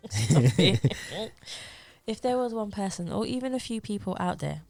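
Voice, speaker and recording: A woman's voice: mid-range voice, very animated, slow, creaky, a little mellow, no room sound, soft background music. A woman hosting a podcast interview, teasing and playful as she asks questions. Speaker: podcast host.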